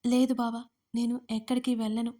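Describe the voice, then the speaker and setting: Scared teary young wife, woman narrator doing her, timid, even tone. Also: on the high side, fast, natural voice. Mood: timid tearful. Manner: timid, tearful. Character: frightened tearful young wife.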